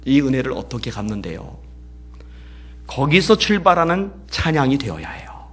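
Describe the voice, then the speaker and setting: A man preaching as pastor, telling a story and swinging between hushed passages and loud, emotional peaks. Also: medium pitch, sing-song, moderate pace, soft background music. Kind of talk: sermon. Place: church.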